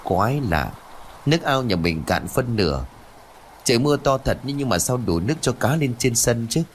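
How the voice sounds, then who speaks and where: A man voicing a dismissive young village man in a spoken ghost story, brisk and offhand. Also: mid-range voice, expressive, a little hiss or hum, natural voice. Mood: puzzled.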